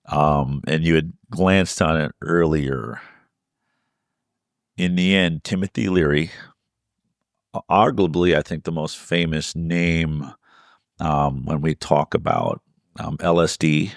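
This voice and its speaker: A man in his fifties hosting an interview, asking questions in a relaxed, conversational way with frequent fillers. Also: a bass voice, takes it slowly, gravelly, pauses often, dry recording, studio quality. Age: 50s. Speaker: podcast host.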